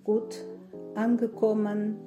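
Slow, halting older woman from Ukraine. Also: medium pitch, completely flat delivery, muffled recording, music in the background. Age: 60s. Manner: halting, many filler sounds. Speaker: guest, association founder. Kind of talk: interview answers.

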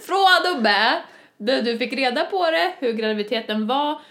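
Bubbly Swedish woman in her twenties, podcast co-host, giggly and a touch high. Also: lively intonation, fairly bright tone. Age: 20s. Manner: giggly, bubbly, laughs often. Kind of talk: casual chat.

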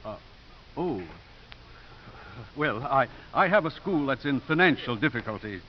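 An actor playing a gentle Catholic priest, polite and hesitant yet determined, in a 1950s radio drama. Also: male voice, medium pitch, lively intonation, a little slow, lightly acted. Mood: earnest, persistent. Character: gentle, persistent Catholic priest running a college. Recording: muffled, hissy old 1950s radio recording.

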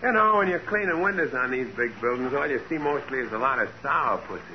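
An actor playing a brash, flirtatious window cleaner, slangy and cheeky, in a 1940s radio drama. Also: male voice, medium pitch, lively intonation, fairly quick, close to an everyday voice. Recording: muffled, very noisy 1940s radio recording.

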